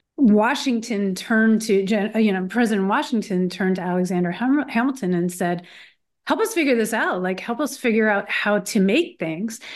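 Speaking with an American accent at a moderate pace, the voice is an unremarkable speaking voice. Its pitch varies in an ordinary way over a quiet background. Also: woman. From Philadelphia, US. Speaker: journalist and author. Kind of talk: casual interview.

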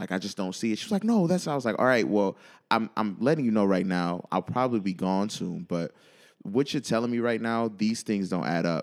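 In a very clean recording with a silent background, a man with an American accent speaks at a fairly quick pace in a fairly low pitch with lively intonation. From Buffalo, New York. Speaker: podcast co-host. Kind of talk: casual chat. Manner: animated.

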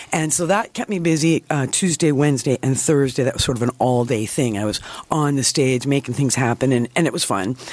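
A plain, everyday voice: a man with a Canadian accent, a fairly high pitch and ordinary pitch variation, at a fairly quick pace with hardly any pauses, in a dry, close sound with no echo. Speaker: radio gardening show host and expert. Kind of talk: radio call-in advice show. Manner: warm, chatty.

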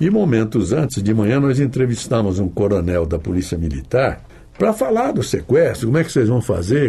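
This man has a medium pitch and a dark, mellow tone. His voice is somewhat breathy, with lively intonation. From interior of São Paulo state and northern Paraná, Brazil. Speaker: veteran sports radio announcer and news anchor. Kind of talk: interview, telling his life story.

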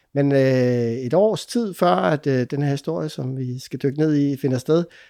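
On a very clean recording with a silent background, a man speaks slowly-ish at a medium pitch, his tone dark and mellow. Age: 40s. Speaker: climber and outdoor communicator. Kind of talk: interview conversation. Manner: halting, many filler sounds.

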